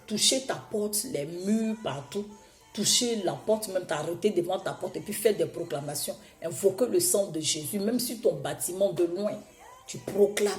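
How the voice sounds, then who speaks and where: A woman preaching a sermon, hoarse from a cold, exhorting her listeners with emphatic repetition. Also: on the low side, darkish tone, roomy sound.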